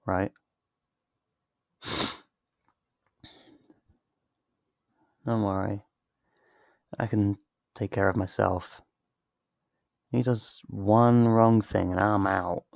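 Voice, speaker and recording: A man playing a torn, tender best friend in an intimate ASMR roleplay, speaking in a halting, emotional, pleading way. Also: fairly low pitch, steady tone, creaky, darkish tone, dry recording, studio quality. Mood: gentle, reassuring. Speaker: audio roleplay voice actor.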